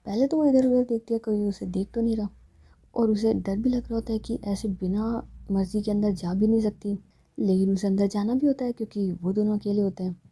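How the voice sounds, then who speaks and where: Woman storyteller, casual conversational narration, husky, dark tone. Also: mid-range voice, a little fast. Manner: plain, conversational retelling.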